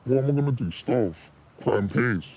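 An anonymous interviewee in a documentary, a man whose voice is disguised and pitched down, talking in a cocky, smug way. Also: expressive, moderate pace, darkish tone, breathy edge. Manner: cocky, smug street talk. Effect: disguised voice, pitched down deep.

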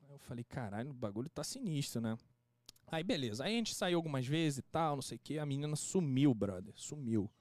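A young man, a podcast guest casually telling an anecdote in a slangy, animated way and acting out the quotes. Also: medium pitch, brisk, no room sound.

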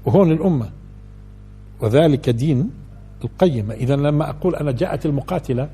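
An older man with a warm, fairly high voice gives a colloquial Quran lesson in a conversational lecturing style. He asks his listeners questions and builds up to emphatic peaks.

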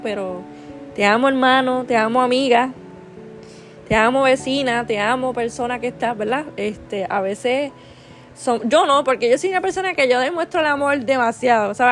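Female podcast host, higher voice, affectionate and earnest devotional delivery, quiet music bed. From Puerto Rico. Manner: earnest and affectionate, with constant "¿verdad?" tags and restarts. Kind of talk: heartfelt devotional talk.

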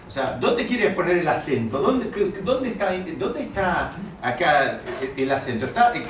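A man with a Rioplatense accent and a slightly high voice teaches a Torah lesson in a classroom. He keeps asking his listeners questions and restates his points as he goes. The microphone sits some way off in an echoey room, with faint ambience behind him. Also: big pitch swings, normal speed, a little hiss or hum. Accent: Rioplatense Spanish. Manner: poses rhetorical questions to the class and rephrases often. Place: classroom with students. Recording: roomy recording with mic at a distance.

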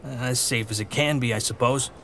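A man playing a steady, authoritative 1940s New York police commissioner in a pulp radio drama, speaking firmly and with dry, measured sternness. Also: medium pitch, lightly acted. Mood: calming, strained.

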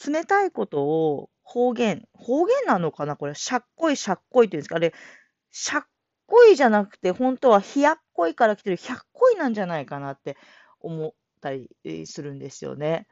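A woman's voice: mid-range voice, sing-song, a little fast, darkish tone, dry recording. A woman hosting her own casual solo talk show, chatty and self-deprecating, laughing often as she rambles. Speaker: solo audio show host. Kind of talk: casual spoken monologue. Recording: dull lo-fi dry recording.

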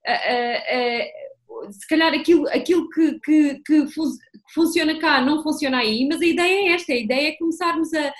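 A woman with a high voice and a European Portuguese accent discusses things conversationally. She speaks haltingly, repeating words as she feels her way toward the phrasing.

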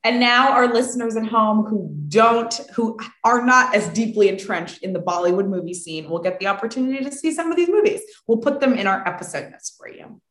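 A woman's voice: on the high side, brisk, few pauses, a bit bright. A woman in her thirties hosting a podcast in a casual, chatty style. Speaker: podcast host. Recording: roomy, echoing sound.

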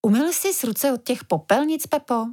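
A woman voicing a brisk, scolding mother in a children's storybook reading. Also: high-pitched, animated, a little mellow, voice pushed up.

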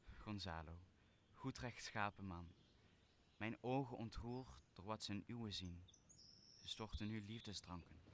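Man playing solemn sorcerer, low voice, declamatory, deliberate, radio play, noisy recording. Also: a bit bright. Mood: tender, moved. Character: solemn wronged sorcerer turning to forgiveness. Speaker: student actor. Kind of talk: radio play Shakespeare acting.

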